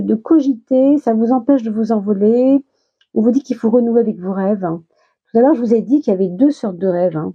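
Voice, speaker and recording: A woman talking through a tarot reading in a chatty, reassuring way, slowing down and restarting as she recovers from a small illness. Her voice is very dark and mellow, with a breathy, husky edge. The sound is a little dull, like a lo-fi home recording. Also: medium pitch. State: recovering from a minor illness, words slow. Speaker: tarot reader. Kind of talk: casual tarot reading for viewers.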